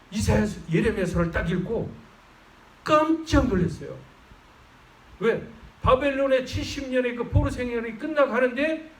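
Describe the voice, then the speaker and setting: A man preaching a sermon as pastor, fervent and swelling loud on his exclamations. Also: sits high. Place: church sanctuary. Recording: roomy church sound, mic at a distance.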